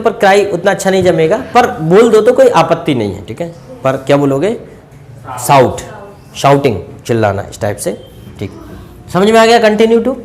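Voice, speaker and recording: A man with an Indian accent teaching English grammar to a class, repeating example sentences and stretching out the English ones very slowly, with chatty asides to his students. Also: high voice, a little mellow.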